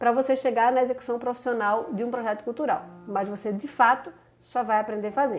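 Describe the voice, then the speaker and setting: A high-pitched woman's voice, moderate in pace, with ordinary pitch movement. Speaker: cultural producer and online educator. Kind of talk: live-stream tutorial. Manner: animated.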